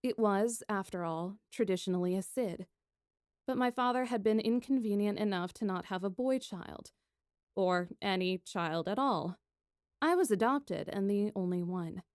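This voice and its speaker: A woman's voice: mid-range voice, normal speed, clean tone, dry recording, lightly acted. Woman playing witty young princess engineer, dry recording. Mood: wry, reflective. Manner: theatrical, expressive storytelling. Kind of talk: first-person scripted narration, fan audio fiction.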